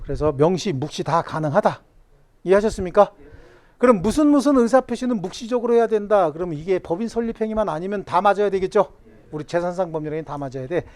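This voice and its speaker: Lively high-voiced man teaching a class. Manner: joking, asks the class constant questions. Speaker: civil law lecturer. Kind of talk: classroom lecture. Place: classroom with students.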